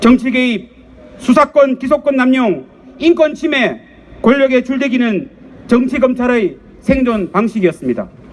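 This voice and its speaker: A man with an extremely high pitch talks fairly slowly, leaving long, frequent pauses, with ordinary pitch variation and noticeable background noise. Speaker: rally speaker. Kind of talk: prepared speech read at a rally.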